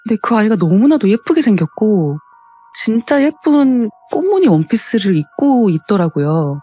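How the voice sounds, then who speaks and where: Mellow, husky woman telling a ghost story. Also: mid-range voice, very animated, moderate pace, no room sound, highs cut off. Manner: polite, explanatory narration. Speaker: caller telling a personal story. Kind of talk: conversational first-person telling of a ghost story. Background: background music.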